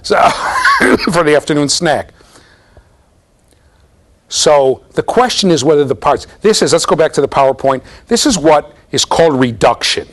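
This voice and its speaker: A man's voice: a little high, huge pitch swings, a little slow, a bit bright. A man in his fifties giving a university lecture in a classroom, explaining eagerly and often checking in with "okay?" and "right?". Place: classroom with bookshelves.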